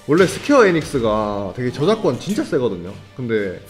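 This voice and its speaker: A young man giving live fighting game commentary, chatty and excitable, joking with viewers between quick reactions to the action. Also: medium pitch, faint music behind. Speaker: esports commentator.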